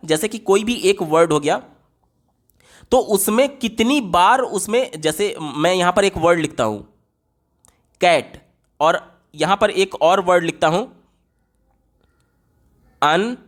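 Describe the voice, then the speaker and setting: High-voiced man teaching exam prep. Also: animated. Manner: reads English question text slowly, explains in Hindi, repeats key points. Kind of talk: exam-prep lesson explaining answer options.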